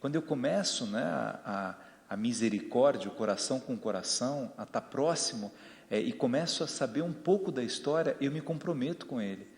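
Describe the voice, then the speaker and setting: A man's voice: medium pitch, animated, a little fast, gravelly, echoey room, in a large hall. A male talk show host who reflects aloud on what his guest said, with small hesitations.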